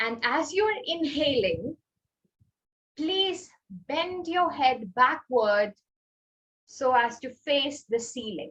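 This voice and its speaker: A woman's high-pitched, bright, sharp voice, raised and projected, with very wide pitch swings. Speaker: prepared speaker at a public speaking club. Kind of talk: prepared speech.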